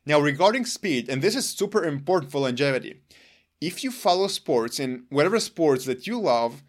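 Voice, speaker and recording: A man whose first language is Hebrew, earnestly explaining his own exercise routine to the camera in a deliberate, emphatic way. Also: fairly high pitch, expressive. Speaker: longevity vlogger.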